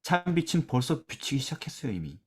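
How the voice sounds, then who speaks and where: A man's voice: big pitch swings, a little fast. Man leading a scripture discussion. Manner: asks questions and drops to a soft low voice at phrase ends; reads scripture aloud with emphasis. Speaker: Bible study discussion leader. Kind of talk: church lesson discussion.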